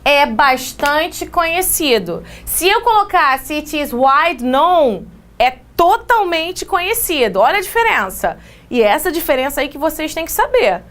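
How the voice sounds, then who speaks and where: A woman with a Brazilian Portuguese accent teaching an English grammar lesson, explaining with quick examples and playful asides. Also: high-pitched, very animated, a bit bright. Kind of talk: exam-prep grammar lesson.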